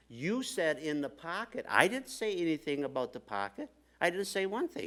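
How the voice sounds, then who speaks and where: High male voice with a bright, sharp tone, very wide pitch swings and a moderate pace, on a very clean recording with a silent background. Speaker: resident speaking at public comment. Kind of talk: public comment at a planning meeting. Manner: loud, yelling.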